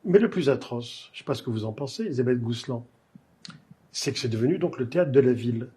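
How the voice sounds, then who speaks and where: Husky, mellow-voiced French-speaking male host. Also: medium pitch, lively intonation. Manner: measured, digressive questioning with many fillers. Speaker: literary talk show host. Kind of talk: cultured interview conversation.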